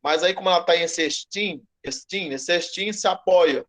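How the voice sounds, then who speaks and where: A man teaching a class online, giving feedback with many restarts and slowing down to model pronunciation. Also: high voice, a bit bright. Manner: hesitant, repeats words, slows to model pronunciation. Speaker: Greek teacher.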